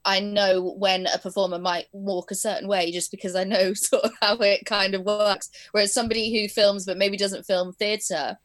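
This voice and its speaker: A woman's voice: mid-range voice, level tone, normal speed, few pauses. A young woman with an English accent, a guest chatting casually about her work as a performing arts teacher and editor, with fillers and easy laughs. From born in England, raised in southern Spain. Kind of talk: casual interview chat.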